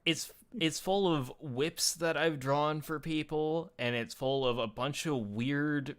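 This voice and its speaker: A bright, clear-toned man chats on a live stream. He rambles and restarts, scattering uhs as he talks through pictures, casual and loose. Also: fairly high pitch, fairly even intonation, slow pace. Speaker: show host sharing his picture folder.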